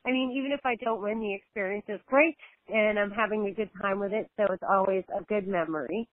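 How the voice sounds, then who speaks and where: A woman calling in as a podcast guest, her voice squeezed through a tinny phone line. She talks in a friendly, giggly way, pausing with ums and likes. The sound is dry, with no room around it. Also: medium pitch, no echo. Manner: giggly, friendly, with hesitant fillers. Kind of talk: casual interview chat.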